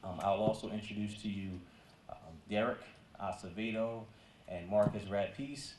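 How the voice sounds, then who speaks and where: Low-voiced male principal in an echoey hall. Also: normal speed, background noise. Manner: conversational speech with many "um"s and "you know"s. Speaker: school principal. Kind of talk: speech at an awards ceremony.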